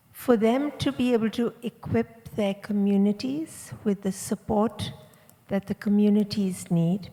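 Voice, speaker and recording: Slow, measured woman asking a question. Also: mid-range voice, a little mellow, big-room sound. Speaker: audience member asking a question. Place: conference hall.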